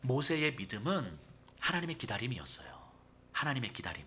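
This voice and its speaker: A man preaching a Sunday sermon as pastor, acting out quoted lines and swinging from loud, rising emphasis down to near whispers. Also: mid-range voice, big pitch swings, brisk, a little hiss or hum.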